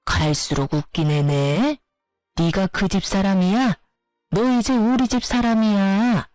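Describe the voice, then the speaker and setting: A woman's voice: medium pitch, unhurried, a little mellow, dry recording, faint music behind, lightly acted, low-quality recording. A woman voicing a domineering, insulting older mother-in-law who scolds with contempt, in a narrated story. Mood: scornful.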